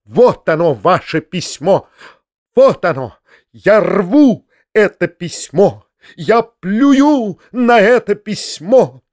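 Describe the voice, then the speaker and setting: A man voicing a shrill, sanctimonious hypocrite. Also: very animated, takes it slowly, no room sound, studio quality, heavily acted. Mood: shrieking fury. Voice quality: shrieking, high-pitched. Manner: sanctimonious, preachy, hysterical. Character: shrill, pompous, self-righteous older male hypocrite. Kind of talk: audiobook character reading.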